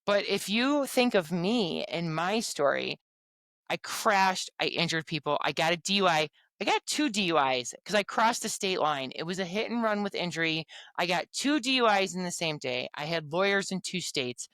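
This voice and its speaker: Bright, crisp-voiced woman telling her story. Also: fairly low pitch, moderate pace, dry recording. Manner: frank, expressive, lively retelling. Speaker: podcast guest. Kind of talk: candid personal storytelling.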